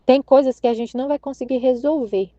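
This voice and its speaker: Woman, Brazilian Portuguese accent, high voice, personal testimony, earnest, halting, dull lo-fi recording. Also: steady tone, dark tone, no room sound. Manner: earnest, halting, repeats herself while searching for words. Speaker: prayer group member sharing testimony.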